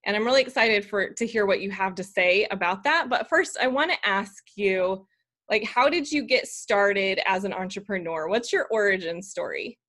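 A woman's voice: medium pitch, normal speed, fairly bright tone. Upbeat woman podcast host. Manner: upbeat, uses many fillers like "like". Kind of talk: scripted intro then casual interview.

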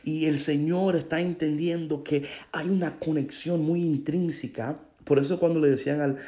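A male preacher delivers a sermon with a slightly high pitch and a warm, mellow tone. He speaks straight to his listeners, repeats words for emphasis, and mixes in English phrases.

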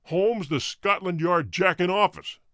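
A man's voice: high-pitched, a little slow, pushed and bright, clean tone, no echo, studio quality. A man voicing a huge, fierce old country doctor who snarls threats furiously.

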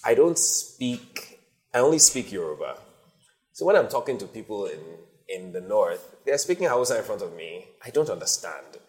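A man from Nigeria, a company founder, answering interview questions in a measured, thoughtful way with frequent pauses. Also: on the low side, big pitch swings, a little mellow. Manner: measured, thoughtful, many ums.

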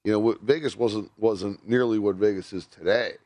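A man giving measured, thoughtful takes on a casual sports talk panel. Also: fairly low pitch, dark tone, dry recording. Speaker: panel guest.

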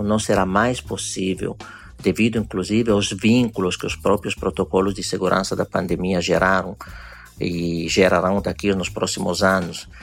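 A man with an Italian accent giving a formal, measured prepared commentary as a guest producer. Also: fairly low pitch. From Italy. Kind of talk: prepared spoken commentary in Portuguese.

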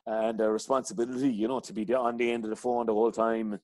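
Middle-aged man, west of Ireland Clare accent, lowish voice, dry close sound, chatty rambling storyteller. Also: flat delivery, fast talker, a little mellow, dry recording. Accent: west of Ireland, County Clare. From County Clare, west of Ireland. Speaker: interview guest, hurling coach. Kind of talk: casual chat, anecdotes.

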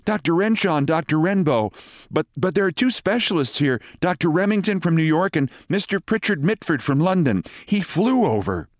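Eager young nurse for a story, pitched high, male reader acting. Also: very animated, moderate pace, no echo, clean studio sound. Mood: excited, deferential. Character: pretty young female nurse, excitedly deferential.

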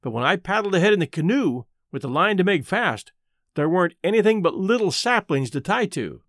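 A man's voice: sits high, sing-song, brisk, a bit bright, no echo, studio quality, exaggerated voice. A man reading an audiobook as a plain-spoken, matter-of-fact Southern boy telling his own story. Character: Huck, a folksy, matter-of-fact adolescent Southern boy narrator. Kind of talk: first-person audiobook narration.

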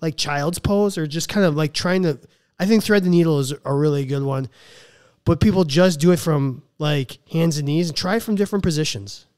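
A man with a fairly high, smooth voice chats as a podcast co-host. His delivery is casual and millennial, full of hedges and hyperbole, as he banters about exercise. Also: brisk, a little mellow, no echo, clean studio sound.

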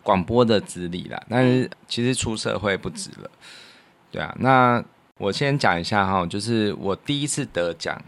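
A man's voice: fairly low pitch, moderate pace, gravelly. A man with a Taiwanese Mandarin accent chatting casually and jokingly as a podcast co-host. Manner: animated, joking, teasing. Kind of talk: casual bantering couple chat.

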